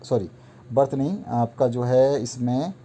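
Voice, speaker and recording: Man explaining a syllabus, mellow voice. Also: medium pitch, steady tone, unhurried. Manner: repetitive, instructive, walks through a list item by item. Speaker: teacher.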